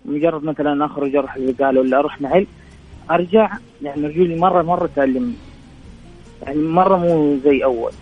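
A man calling in to a radio show, sounding distant and quiet, as if holding the phone away, and telling his story haltingly with many fillers. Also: a little high, breathy edge, soft background music. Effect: distant, quiet phone line, as if the phone is held away. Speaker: caller. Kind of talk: call-in to a charity radio show. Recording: muffled phone call.

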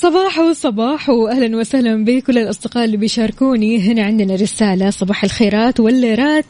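Chatty woman radio host, fast and high. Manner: chatty and expressive, addressing listeners directly. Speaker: radio morning show host. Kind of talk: upbeat radio presenting, chatting with listeners. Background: music bed under the voice.

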